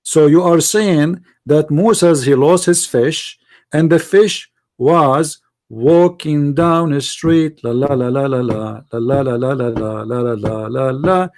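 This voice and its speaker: A man's voice: on the high side, slow, a little mellow. A man whose first language is Arabic, from the Middle East, hosting a heated religious debate and pressing his opponent with repeated, mocking questions. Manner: combative, repetitive, mocking. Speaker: debate host.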